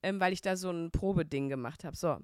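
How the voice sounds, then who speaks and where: A woman co-hosting a casual chat podcast, telling anecdotes and slowly mimicking the people in them. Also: on the low side, no echo, clean studio sound. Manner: storytelling, mimics callers in a slow flat voice. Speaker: podcast co-host.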